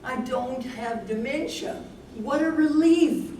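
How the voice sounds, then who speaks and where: Woman playing an anxious wife, slow and echoey. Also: high voice, dark tone. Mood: relieved. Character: anxious wife with failing memory, gentle, quietly determined. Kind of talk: staged reading, confessional stage drama. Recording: echoey distant stage recording, clear noise.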